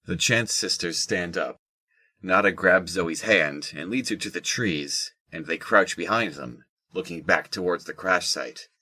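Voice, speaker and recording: A man's voice: low voice, unhurried, pushed and bright, no echo. A man narrating a scripted audio drama.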